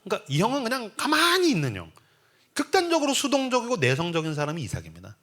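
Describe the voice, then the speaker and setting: A man's voice: high voice, fast talker. A man in his forties preaching a humorous revival sermon in a church, telling the story with acted-out dialogue. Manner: animated storytelling, acting out dialogue in voices. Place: church sanctuary.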